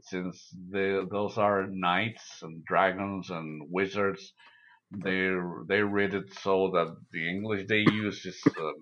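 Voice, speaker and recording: A man from Mexico whose first language is Spanish, speaking English in a halting, measured way in a casual conversation. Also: deep voice, fairly even intonation, fairly bright tone, highs cut off. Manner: measured, halting recollection with restarts.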